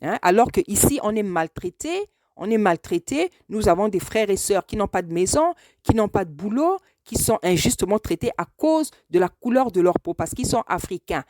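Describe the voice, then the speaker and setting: With lively intonation and a dark tone, a woman from France speaks at a moderate pace and medium pitch in an unscripted, earnest video address to a politician. She hesitates and often repeats phrases for emphasis. The studio-quality audio has no echo.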